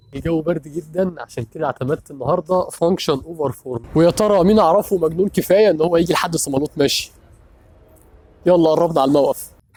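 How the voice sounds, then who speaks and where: A man with a high pitch talks at a moderate pace, his pitch varying in an ordinary way while noticeable background noise plays underneath. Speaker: fitness vlogger. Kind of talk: vlog narration. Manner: casual, conversational.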